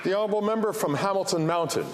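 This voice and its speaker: Male house speaker, fast formal calls, very noisy chamber. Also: sits high. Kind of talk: formal procedural announcements. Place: large legislative chamber. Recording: loud crowd and noise.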